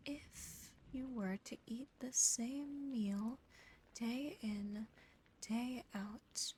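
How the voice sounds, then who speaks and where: A woman's voice: fairly high pitch, a little hiss or hum. A woman voicing a seductive, possessive female demon in a whispered ASMR roleplay, close to the microphone, with a teasing, smug delivery. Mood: smug, bored. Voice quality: soft, breathy whisper. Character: seductive, possessive female sleep-paralysis demon admiring a human.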